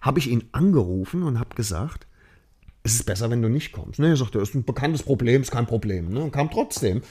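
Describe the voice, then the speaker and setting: Guy hosting a podcast, mid-pitched voice, rambles through a story with lots of ums. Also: expressive, fairly quick, dark tone, slightly rough. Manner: rambling, many fillers and tag questions. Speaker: podcast host. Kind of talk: casual storytelling chat.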